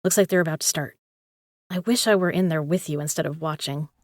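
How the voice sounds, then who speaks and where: A woman's voice: low voice, brisk, no room sound, clean studio sound, natural voice. A woman playing a tough, guarded poker legend in an audio drama, with a blunt, sardonic way of talking. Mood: coaching, encouraging.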